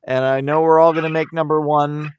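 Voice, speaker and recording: A man's voice: fairly high pitch, level tone, brisk, a little mellow, smooth, no room sound. A man hosting a podcast, chatting casually with his co-hosts and often fumbling for words. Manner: rambling, friendly, loses his words. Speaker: podcast host. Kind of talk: casual group chat over mics.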